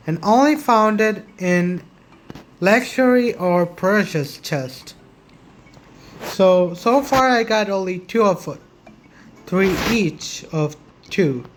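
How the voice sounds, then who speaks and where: Female gaming streamer; informal, slow-paced, halting commentary over faint game music. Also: on the low side. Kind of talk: casual gameplay commentary.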